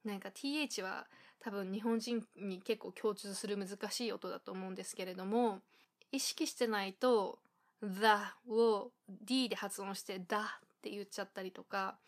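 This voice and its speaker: A woman's voice: mid-range voice, normal speed. Chatty Japanese woman podcaster. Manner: chatty, thinking aloud with many fillers. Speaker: podcast host. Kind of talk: casual solo podcast talk.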